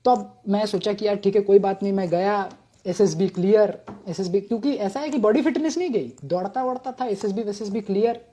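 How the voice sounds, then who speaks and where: This is a casual storytelling monologue from a man in his thirties, a retired Bengali army officer who recounts his life with chatty, self-deprecating humor. He speaks a little fast in a high-pitched, mellow voice, with slight noise in the background.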